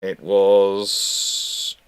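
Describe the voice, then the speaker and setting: A man answering history questions live in an informal way, thinking aloud in a halting, discursive manner. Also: low-pitched, completely flat delivery, smooth, no echo.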